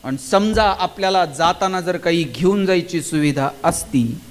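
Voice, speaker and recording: A man delivers a fired-up motivational speech to a school crowd, and his voice sits unusually high for a man. He drives his points home with one rhetorical question after another. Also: a little slow, slight background noise. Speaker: motivational speaker. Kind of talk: stage speech to students and teachers. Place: school gathering.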